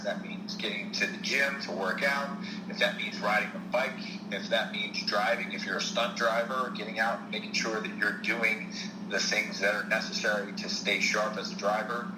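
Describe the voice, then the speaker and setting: A man's voice: lowish voice, normal speed, background noise. Man with a South Jersey accent, echoey. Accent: South Jersey, Philadelphia area. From South Jersey, United States. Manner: earnest, repeats key points for emphasis. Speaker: actor and stunt performer guest. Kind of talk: podcast interview.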